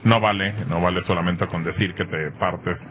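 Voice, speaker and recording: A man's voice: deep voice, fairly even intonation, normal speed, fairly bright tone. A man debating sports as a radio panelist, argumentative and emphatic.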